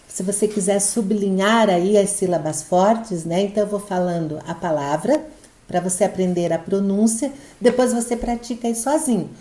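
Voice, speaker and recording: A woman teacher with a Brazilian Portuguese accent walks students through a recorded lesson, step by step. Her voice is mellow and relaxed, at a middle pitch. She keeps checking that everyone is following along. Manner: patient, explaining step by step with frequent "tá?" checks. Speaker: Spanish teacher.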